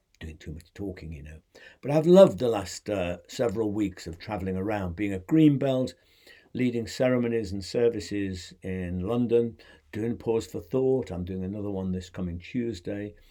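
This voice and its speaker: A man with an English accent speaks in a fairly low pitch with a dark, mellow tone, ordinary pitch variation and a moderate pace. His loudness swings widely, and the recording is very clean with a silent background. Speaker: spiritual podcaster. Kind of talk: casual monologue. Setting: home shed.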